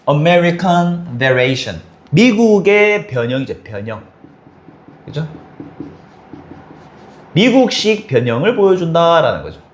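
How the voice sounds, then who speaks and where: Lively, questioning male English teacher. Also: on the high side. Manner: explains step by step, asks students quick questions; switches between plain and exaggerated voices for example lines. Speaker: English teacher at a cram school. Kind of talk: textbook explanation lesson for high schoolers.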